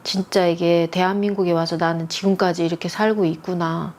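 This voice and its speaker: A middle-aged woman from North Korea, a guest telling personal stories in a calm, quiet, gentle way. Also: fairly low pitch, brisk. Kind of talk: soft-spoken personal storytelling.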